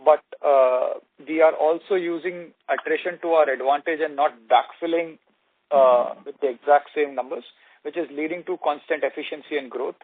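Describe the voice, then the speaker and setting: A man's voice: on the high side, moderate pace, dry recording. Executive man on a phone line. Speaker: company executive answering analysts. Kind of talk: earnings call answers, corporate and explanatory. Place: conference call. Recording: narrow, dry telephone conference line.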